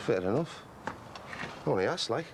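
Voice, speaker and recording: A jovial bloke. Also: male voice, medium pitch, expressive, slow, noisy background. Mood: wheedling. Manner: chatty, jokey, wordy mock-formal speeches. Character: jovial middle-aged man, bluff and eager. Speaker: neighbour courting his partner. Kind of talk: TV soap acting.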